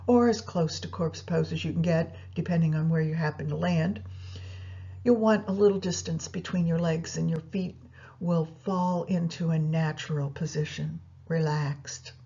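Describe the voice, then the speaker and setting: Mellow, slightly husky woman guiding meditation. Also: sits low, steady tone, moderate pace, dull audio. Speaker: yoga nidra meditation guide. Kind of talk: guided meditation instruction, spoken gently to listeners.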